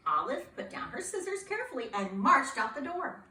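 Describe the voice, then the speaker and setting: Lively high-voiced woman reading a story. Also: moderate pace, roomy sound, recorded from a distance. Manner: animated, playful, asks listeners questions. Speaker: librarian reading aloud. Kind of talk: expressive storybook read-aloud for children.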